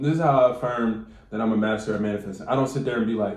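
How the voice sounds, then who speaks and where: Somewhat breathy and animated, a man talks at a very fast pace with audible room echo. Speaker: manifestation coach. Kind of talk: casual tutorial. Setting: at home, noisy upstairs neighbors. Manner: casual, animated.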